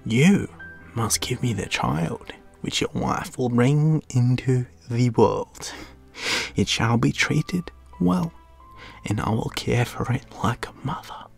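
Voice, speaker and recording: A man voicing an angry, commanding enchantress in a storybook tale, with drawn-out, declamatory delivery. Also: mid-range voice, expressive, creaky, faint music behind. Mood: stern, bargaining. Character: angry, imperious old enchantress, commanding and menacing.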